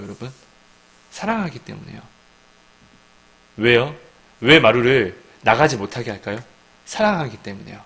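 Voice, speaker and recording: A man's voice: medium pitch, fairly bright tone, low-quality recording. A man giving an informal sermon, often asking the listeners questions and acting out quoted speech. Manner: asks the listeners questions and acts out quoted dialogue. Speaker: Christian speaker giving a devotional talk.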